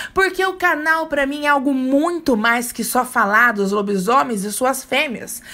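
A woman's raised, projected voice, high-pitched with a bright, sharp tone, lively intonation, a fairly slow pace and hardly any pauses. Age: 40s. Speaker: YouTuber on paranormal topics. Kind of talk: Q&A monologue.

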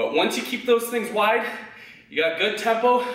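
Here a man talks at a moderate pace in an energetic tone, his pitch high with ordinary variation. Audible room echo surrounds his voice. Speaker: fitness instructor. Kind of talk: guided home workout tutorial, coaching through reps. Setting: home workout video. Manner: energetic, motivating, counting reps aloud with clear cues. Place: empty room.

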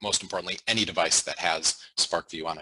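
A man speaks at a very fast pace. The sound is dry, with no echo. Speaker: software trainer. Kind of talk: tutorial. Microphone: headset.

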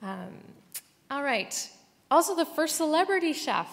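A woman with a Canadian accent at a moderate pace, her pitch swinging very widely. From Canada. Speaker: professor. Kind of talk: lecture. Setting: stage with audience. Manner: animated. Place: hall. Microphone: podium.

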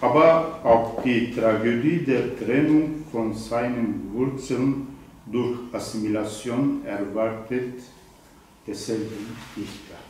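A man at a very slow pace with a Turkish accent and ordinary pitch variation, amid audible room echo and light background noise. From eastern Anatolia, Turkey. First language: Zaza (speaking German). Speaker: poet. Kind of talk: poetry reading; author talk. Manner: halting. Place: bar. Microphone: camera far.

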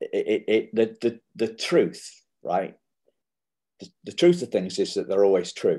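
A man talks with a northeast English accent. He leaves long, frequent pauses, and his loudness swings widely. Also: fairly slow pace. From northeast England. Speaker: podcast host. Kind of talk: casual interview conversation.

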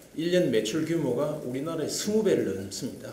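Audible room echo surrounds a man's voice. He speaks at a fairly high pitch with lively intonation. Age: 60s. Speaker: politician. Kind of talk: formal meeting remarks. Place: meeting room. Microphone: podium.

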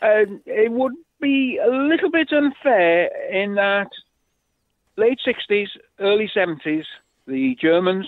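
A man speaks in a North Welsh accent. His pitch swings very widely. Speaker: cattle breeder. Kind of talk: interview. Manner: halting.

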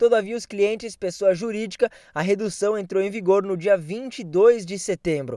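A man with a high pitch and a dark, mellow tone speaks at a moderate pace with ordinary pitch variation. The sound is dry and close, with no echo. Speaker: news channel presenter on retirement benefits. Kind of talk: live news bulletin.

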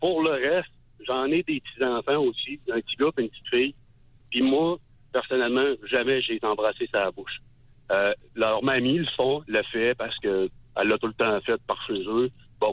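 Pausing long and often, a man talks at a moderate pace and medium pitch with ordinary pitch variation. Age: 30s. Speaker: caller. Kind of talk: phone-in call. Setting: phone call.

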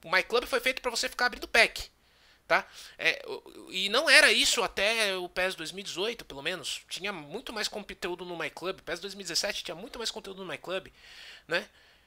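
A man's high, bright, sharp voice with a Brazilian accent, at a moderate pace with ordinary pitch variation and big swings in loudness. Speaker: gaming YouTuber. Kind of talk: frustrated rant about repetitive game content, venting to viewers. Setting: video recording for YouTube. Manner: weary, exasperated, complaining; apologetic, candid, venting.

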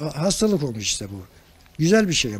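A man talks at a fairly quick pace. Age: 70s. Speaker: retired avid reader. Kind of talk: interview answer. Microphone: handheld.

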